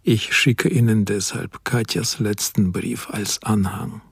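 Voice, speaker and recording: A man's voice: fairly low pitch, fairly even intonation, slow, creaky, slightly rough, no echo, clean studio sound, full character voice. An actor playing a formal letter-writer, reading out his message in a radio drama. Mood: formal, grave. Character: formal male letter-writer delivering bad news.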